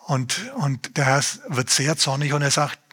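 A man gives a sermon in an animated, conversational way, acting out the voices of the people in the story. His voice is a little high for a man and has a husky edge. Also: a little slow. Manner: animated, acts out dialogue in a conversational tone. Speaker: preacher. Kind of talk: lively sermon retelling scripture.

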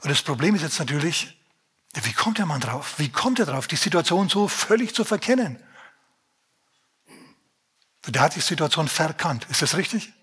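A man preaching to his congregation, his voice fairly high and a little husky. He talks in a lively, conversational way and keeps throwing rhetorical questions at his listeners. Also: normal speed, long pauses. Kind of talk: sermon.

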